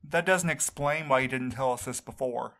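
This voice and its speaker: A man acts a sleep-deprived young male courier in a fiction podcast. He grumbles and snipes in a mid-pitched voice, sounding snarky and worn out. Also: moderate pace, fairly bright tone, natural voice. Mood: questioning. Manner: snarky, complaining. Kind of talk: audio fiction podcast acting.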